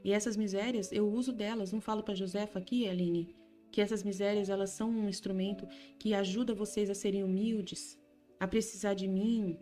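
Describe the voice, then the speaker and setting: A woman speaking as Jesus, a gentle male divine figure, in a tender, reassuring way with her own voice. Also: mid-range voice, steady tone, a little fast, faint music behind, close to an everyday voice. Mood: consoling. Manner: tender, reassuring, addresses listener by name.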